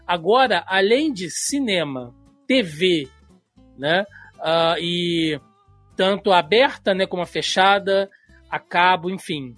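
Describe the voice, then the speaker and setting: A man's voice: sits high, slow pace, a bit bright, soft background music. A man in his thirties with a Carioca accent, co-hosting a casual podcast and explaining at length with many fillers. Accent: Carioca Portuguese. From Brazil. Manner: chatty, lots of "né" fillers, tangents. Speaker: podcast co-host.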